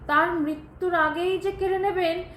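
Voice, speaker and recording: A woman playing a dignified, distressed woman who refuses a suitor in an audio drama, speaking with halting emotion and formal politeness. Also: extremely high pitch, steady tone, fairly bright tone. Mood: indignant. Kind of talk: Bengali audio drama acting. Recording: roomy echo, faint background noise.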